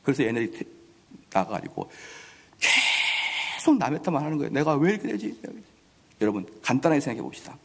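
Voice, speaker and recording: A man preaching a sermon as pastor, animated, acting out family quarrels. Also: mid-range voice, a little fast, gravelly, breathy edge. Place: church sanctuary. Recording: long church hall reverb.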